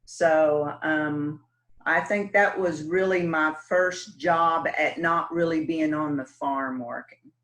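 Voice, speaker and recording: A woman with a West Texas twang, running for city council and telling her story. She takes her time, speaking slowly, and drops in plenty of ums and uhs. Her manner stays folksy and relaxed throughout. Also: low-pitched. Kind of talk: casual interview answers.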